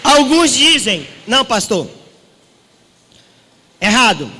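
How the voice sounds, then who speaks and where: A man preaching a sermon as a pastor, asking rhetorical questions and swinging his pitch for drama. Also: very animated, slow, bright, forceful tone, in a large hall, a little hiss or hum.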